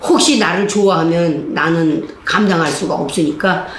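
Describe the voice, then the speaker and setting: An older woman, a Catholic nun, telling stories, acting out the voices of the people in them. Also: normal speed. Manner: animated, acts out voices of inmates and guards with big pitch jumps. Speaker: Catholic nun giving a laughter-therapy talk. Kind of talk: lively storytelling lecture. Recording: echoey hall with faint noise.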